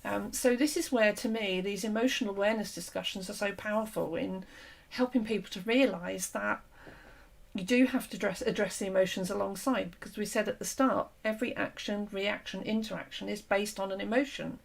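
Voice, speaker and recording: A woman hosting an interview and talking through an idea in an earnest, explanatory way, her voice fading and a little hoarse. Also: medium pitch, brisk. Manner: earnest, explanatory, with frequent fillers and restarts. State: losing her voice. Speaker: host. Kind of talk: conversational discussion.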